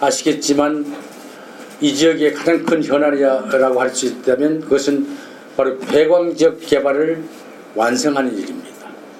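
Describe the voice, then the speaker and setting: Over noticeable background noise, a man with fairly high pitch and ordinary pitch variation talks at a fairly slow pace. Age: 60s. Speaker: politician, former provincial governor. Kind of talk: press conference statement.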